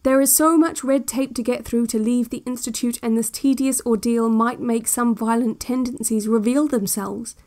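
A woman playing a calm, controlling institute narrator on a relaxation cassette, speaking in a measured and quietly menacing way. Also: fairly high pitch, lightly acted. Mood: calm, veiled menace. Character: soft-spoken, controlling female institute narrator on a relaxation tape. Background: music.

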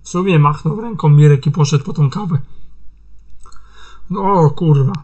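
A man's voice: fairly high pitch, fast talker, warm tone, muffled recording. A man reading his own fan fiction aloud in a loose, casual manner, with slang and heavy swearing. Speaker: amateur fan fiction reader. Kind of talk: casual story narration.

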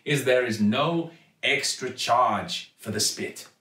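A man voicing a cheerful, flattering male shopkeeper who talks in an effusive, overly polite way. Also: mid-range voice, slow pace. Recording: echoey, distant mic.

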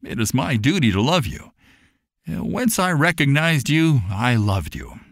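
A man's voice: medium pitch, sing-song, a little slow, vocal fry, dry recording, studio quality, pitched above the performer's own voice, heavily acted. A man voicing a kindly, devout fair owner in a storybook, speaking in an earnest, preaching, emphatic way. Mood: earnest, affectionate.

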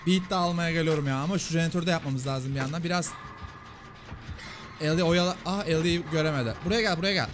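A man streaming a multiplayer game, commenting rapidly and repeating short urgings to his teammates. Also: on the high side, faint music behind. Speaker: gaming streamer. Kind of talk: excited Let's Play commentary. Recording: noisy game audio underneath.

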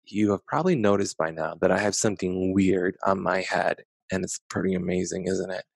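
American man, children's storytime, low husky voice, simple questions to young listeners, close headset mic. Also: fairly quick, dry recording. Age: 30s or 40s. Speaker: children's author reading aloud. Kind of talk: children's storytime talk and read-aloud. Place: small bedroom at home. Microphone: headset microphone.

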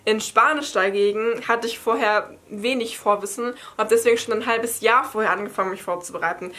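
A woman's voice: a little high, fairly quick, fairly bright tone. A young woman from Berlin talking casually and explaining things, like a vlogger answering questions to camera. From Berlin, Germany. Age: young adult. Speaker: study-advice vlogger. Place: bright attic room at home.

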